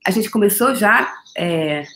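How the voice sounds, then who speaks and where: A woman from Brazil hosts a live stream workshop in an animated, playful voice. She laughs often and drifts into repeated, chant-like phrases between loose, chatty stretches. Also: mid-range voice, measured pace. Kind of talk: casual spiritual coaching live stream.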